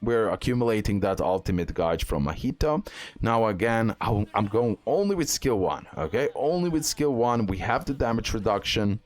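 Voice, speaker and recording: A man's voice: fairly low pitch, animated, moderate pace, faint music behind. A man who speaks English as a second language gives casual gameplay commentary, often repeating words and phrases for emphasis. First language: not English. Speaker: gaming content creator.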